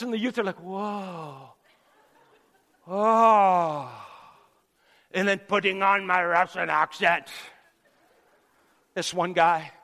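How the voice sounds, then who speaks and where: A man preaching a sermon with animated stories in an excitable, dramatic manner, repeating phrases for emphasis. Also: sits high. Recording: echoey hall with long reverb.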